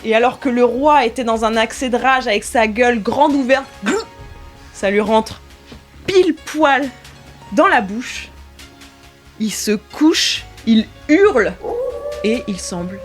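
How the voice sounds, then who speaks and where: A woman running an improvised tabletop game as game master, narrating casually and hesitantly in a studio. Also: fairly high pitch. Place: recording studio. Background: music.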